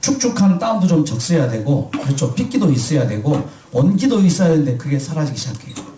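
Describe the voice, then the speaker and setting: Male pastor, fairly high voice, questioning the congregation, recorded from a distance in a reverberant hall. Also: big pitch swings, brisk, mellow, slight background noise. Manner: asks the congregation questions and answers himself. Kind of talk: sermon.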